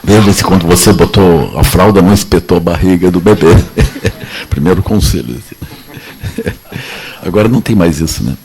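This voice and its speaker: A man with a Brazilian Portuguese accent giving a relaxed, joking Buddhist talk to an audience, often repeating little tag phrases. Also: sits low, moderate pace, long pauses. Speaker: Buddhist teacher. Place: lecture at a meditation center.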